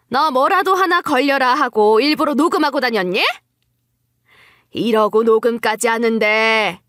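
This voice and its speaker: Woman acting high-voiced, scolding older mother-in-law. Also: fairly bright tone, no room sound, clean studio sound, heavily acted. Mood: indignant, accusing. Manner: accusatory, haranguing. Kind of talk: dramatized story acting.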